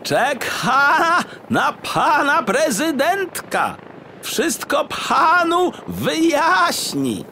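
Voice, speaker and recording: A man voicing a smug, courteous frog official in a children's audiobook, croaking and drawing out his words theatrically. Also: very high voice, huge pitch swings, very slow, pushed and bright, a little hiss or hum, voice pushed up, heavily acted. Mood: smooth, insistent. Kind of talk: audiobook character acting for children.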